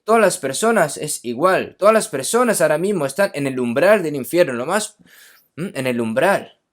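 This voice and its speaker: A man's voice: a little high, expressive, moderate pace. Emphatic male preacher. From Korea. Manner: emphatic, with frequent "¿no?" and "¿mm?" checks. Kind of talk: sermon.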